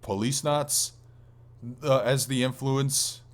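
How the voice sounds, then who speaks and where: A man's voice: mid-range voice, steady tone, slow pace. A man hosting a gaming podcast, talking in an informal, rambling way with casual swearing. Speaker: podcast host.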